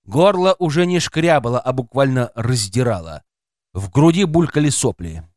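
A man's voice: mid-range voice, expressive, moderate pace, a little mellow, no room sound, clean studio sound. A man reading an audiobook aloud as scripted first-person narration, expressively voicing a woman narrator's inner thoughts.

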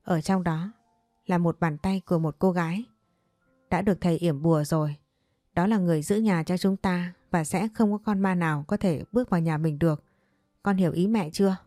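A woman's voice: lowish voice, fairly quick, mellow, dry recording, studio quality, faint music behind, lightly acted. A woman voicing a stern, dismissive middle-aged mother in a spoken ghost story, with a brusque, scolding manner.

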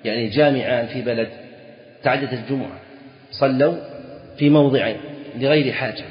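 A man's voice: medium pitch, a little fast. A man teaching a legal text, reading each line, then explaining it and repeating key phrases as he asks and answers his own questions. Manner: asks the students questions and answers them himself. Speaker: Islamic scholar teaching a fiqh text. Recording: echoey hall recording, dull lo-fi sound.

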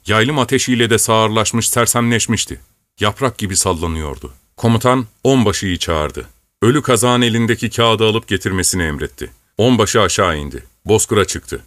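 Low-voiced male audiobook narrator. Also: no room sound. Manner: measured, even storytelling. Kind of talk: scripted narration.

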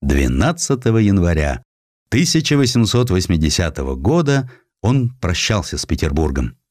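Deep-voiced, expressive male narrator. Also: normal speed, no echo, studio quality. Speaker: audiobook narrator. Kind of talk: dramatized narration of a historical essay.

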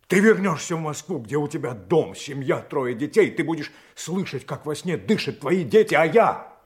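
An actor plays a male undercover agent in an audio drama, weary and burdened by his secret life. His voice sits a little high for a man. He speaks with emotional emphasis, moving between hushed and forceful delivery. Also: lively intonation, moderate pace, lightly acted. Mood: bitter, pained.

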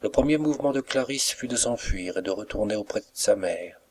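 Calm male audiobook narrator. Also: fairly low pitch. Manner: calm, measured reading. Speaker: audiobook reader. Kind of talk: scripted narration.

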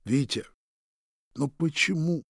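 A man voicing a hot-tempered young man who shouts in a strained, raised voice, in an audiobook. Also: on the high side, takes it slowly, dry recording, studio quality, voice pushed up. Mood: whiny. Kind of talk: audiobook character voice.

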